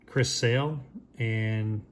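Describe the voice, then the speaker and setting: A man in his thirties giving casual, low-key commentary while opening packs at a shop counter, naming each player as it comes up. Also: fairly even intonation, extremely slow.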